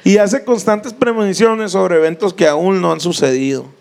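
A man's voice: high-pitched, normal speed, vocal fry, a little mellow. A man with a Mexican accent in casual comedic chat, slangy and sweary, often repeating himself as he talks. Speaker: podcast co-host.

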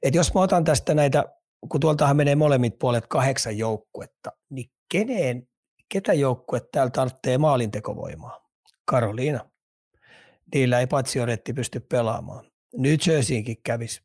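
A man's voice: medium pitch, lively intonation, darkish tone, no echo, studio quality. A man co-hosting a casual sports podcast, speculating at length and repeating words while he thinks. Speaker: podcast co-host, hockey analyst.

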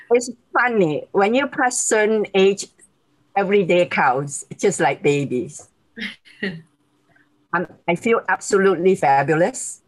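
A woman in her sixties with a Malaysian accent, speaking as a guest on a video call, warm and grateful, often laughing. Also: mid-range voice, expressive, slow pace, long pauses, rough recording. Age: 60s.

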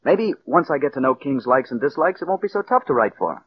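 A man's voice: mid-range voice, big pitch swings, quick pace, slight background noise, lightly acted. An actor playing an earnest young male radio writer who sometimes stammers, narrating and talking in 1940s radio acting style. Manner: earnest, slightly hesitant, stammers. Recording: muffled old radio broadcast.

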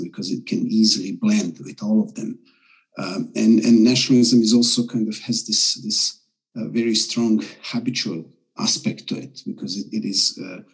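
Middle-aged male academic on a video call, low husky voice, measured delivery with many restarts. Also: poor audio. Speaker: guest scholar.

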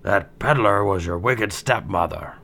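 A man voicing a group of kindly, protective dwarf miners in a read-aloud fairy tale, speaking in a warm, cautioning way. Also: lowish voice, a little slow, creaky, full character voice. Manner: kindly, warning. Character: seven kindly male dwarves, protective miners.

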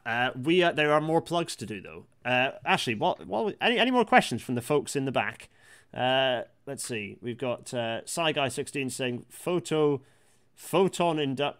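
A man hosting a casual livestream chat, talking in a halting way and often repeating himself as he reads out comments. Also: medium pitch, a bit bright. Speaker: livestream host.

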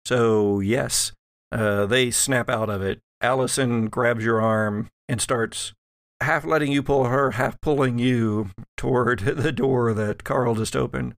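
A man acting as game master, narrating a tabletop role-playing game in measured phrases with dramatic pauses. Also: medium pitch, steady tone, creaky, no room sound, studio quality.

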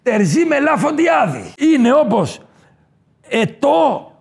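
A swaggering self-crowned king of the nightlife, bragging loudly in a very high, gravelly voice. He shouts his punchlines with brash confidence. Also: sing-song, exaggerated voice. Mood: boastful. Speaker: comic guest character. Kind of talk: comedy sketch interview.

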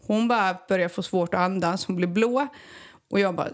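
A woman from Sweden recounting a personal story in casual conversation, animated and acting out the people she quotes. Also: mid-range voice. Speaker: guest telling a personal story.

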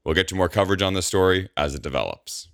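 A man playing a brisk, official-sounding newscaster delivering a clipped bulletin within an audiobook story. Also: low voice, a bit bright, smooth, no room sound, studio quality, pitched above the performer's own voice. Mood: businesslike. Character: brisk television newscaster reporting on magical crime.

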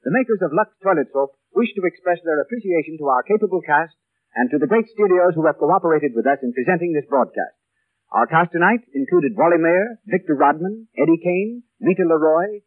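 A man announcing a broadcast in a crisp, formal manner, heard as an old radio recording. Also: on the high side, lively intonation, brisk, narrow, tinny audio. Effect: old radio broadcast sound.

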